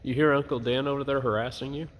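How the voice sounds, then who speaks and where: A man flying indoor model planes in a large gym, giving low-key, chatty running remarks into a handheld camera. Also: steady tone, fast talker. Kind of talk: casual commentary while flying.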